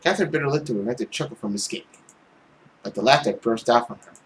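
A man's voice: mid-range voice, quick pace, a bit bright, a little hiss or hum. A young man reading a visual novel aloud as a let's play host, reacting in a playful, exclamatory way. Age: young adult.

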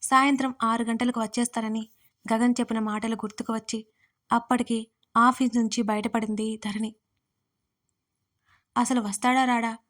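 A woman narrating her own written audio story in a steady, even reading voice. Her pitch sits fairly high and stays flat through the telling. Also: normal speed, long pauses. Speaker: writer and narrator.

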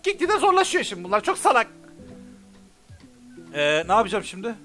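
Excitable, high-pitched gamer cursing at a game. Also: male voice, fairly quick. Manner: excitable, frustrated, curses often. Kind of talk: let's play commentary. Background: game music.

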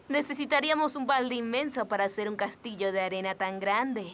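A woman's voice: on the high side, expressive, moderate pace, pushed and bright. A woman with a Latin American Spanish accent voicing a sensible, cheerful elf mother in a children's cartoon dub.

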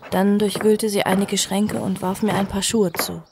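An actress playing an earnest, cautious girl who recounts her story in a horror audio drama, measured and reflective. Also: medium pitch, flat delivery, gravelly, background noise, close to an everyday voice. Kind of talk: audio drama narration and dialogue. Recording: music behind the voice.

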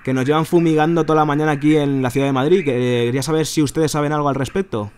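A man's voice: fairly high pitch, steady tone, racing, clean tone. A man with an accent from Spain, talking informally as a caller and commentator, colloquial and indignant. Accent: Spanish, from Spain. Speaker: caller and narrator of his own video. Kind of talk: phone call with informal commentary to viewers. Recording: music behind the voice. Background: music.

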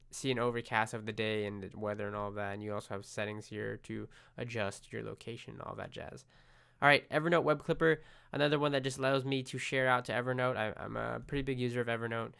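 A man's voice: mid-range voice, gravelly, a bit bright, clean tone. A man with a head cold, sounding congested as he chats casually through a screen recording. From United States. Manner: chatty, restarts often, friendly asides. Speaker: tech vlogger.

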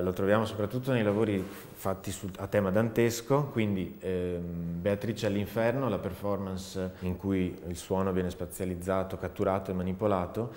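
A man in his thirties explaining his artistic work in an interview, thoughtful and halting as he searches for words. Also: deep voice, a little mellow. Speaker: theatre and sound artist. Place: seated in a dark studio, indoors. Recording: echoey room with reverb.

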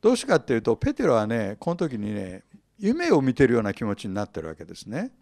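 A man's voice: mid-range voice, wildly swooping pitch, fast, a little mellow, dry recording, studio quality. A man teaching the Bible in a sermon, reading scripture and retelling it with humor and chuckles.

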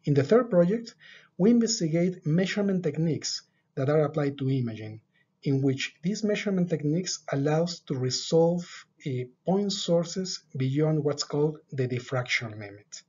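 A middle-aged man presenting his lab's research in a measured, deliberate way from an office with a whiteboard, recorded on a webcam. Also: fairly high pitch, animated, darkish tone, breathy edge, muffled recording. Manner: measured, deliberate delivery with occasional filler pauses. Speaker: lab director giving a research overview. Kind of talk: scripted presentation.

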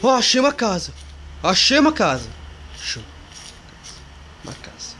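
Excitable male gamer, lively swooping voice, faint hiss behind. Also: high-pitched, moderate pace. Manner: excitable, yelps at jump scares, talks to viewers and a friend. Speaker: gamer playing a horror game. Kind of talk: casual gameplay commentary.

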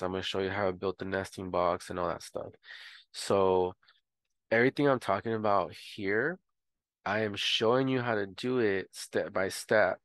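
Man, very low voice, casual tutorial narration, rambling with fillers, dry voice-over sound. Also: clear, resonant tone, dry recording. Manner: relaxed, rambling with many fillers. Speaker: homestead educator.

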